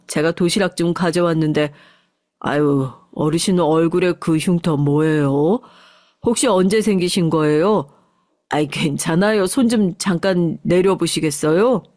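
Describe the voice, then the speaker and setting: A woman's voice: on the low side, unhurried, darkish tone, dry recording, close to an everyday voice. Brief: tearful middle-aged son, polite and pleading, read by a woman in a dry, close audio story. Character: tearful grown son, a company chairman.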